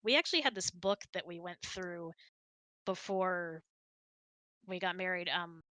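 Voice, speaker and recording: A woman's voice: fairly low pitch, measured pace, sharp tone, dry recording. A woman hosting a casual question-and-answer chat in an informal, giggly, chatty way. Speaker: host.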